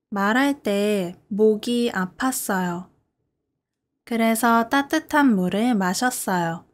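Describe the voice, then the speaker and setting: Slow-speaking woman teaching in simple sentences. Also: medium pitch. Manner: careful, simple phrasing with clear sentence breaks. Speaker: Korean language teacher. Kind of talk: scripted beginner listening lesson, simple short sentences.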